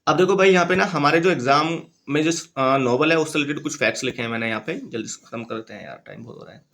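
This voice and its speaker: Gravelly Hindi-speaking literature tutor. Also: male voice, a little high, fairly bright tone. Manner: explains in Hindi, reads English titles slowly, repeats points; chatty and informal, keeps addressing listeners as "bhai" and "yaar". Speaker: exam-prep literature teacher. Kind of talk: casual lecture over slides.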